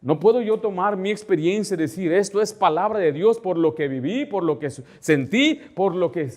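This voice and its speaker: A male pastor with a high voice and lively intonation preaches conversationally at a normal pace. He calls on the congregation to follow along in the text, his volume rising as he stresses points.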